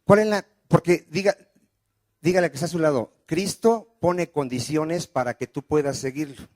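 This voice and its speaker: A pastor delivers a sermon in a fairly high voice. He keeps asking the congregation questions and calling for their amens. The sound is dry and close. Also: moderate pace, a little mellow, no room sound. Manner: preaching with call-and-response questions.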